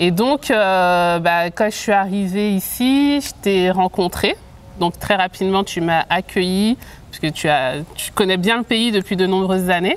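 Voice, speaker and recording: Using an ordinary speaking voice, a woman talks at medium pitch and a fairly slow pace with ordinary pitch variation. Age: 30s. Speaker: entrepreneur and election candidate. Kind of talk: casual chat.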